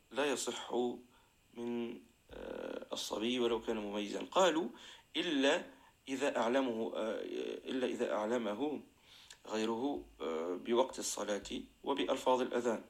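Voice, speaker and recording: Low gravelly sheikh teaching a lesson. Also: male voice. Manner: chants call-to-prayer phrases, frequent drawn-out fillers. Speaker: sheikh teaching Islamic jurisprudence. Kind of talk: religious lesson explaining a verse text.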